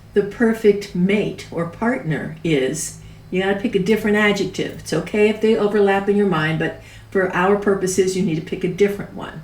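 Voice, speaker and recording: Amid noticeable background noise and audible room echo, a woman speaks fairly quickly at a medium pitch with fairly even intonation. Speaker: spiritual teacher. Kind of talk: online class.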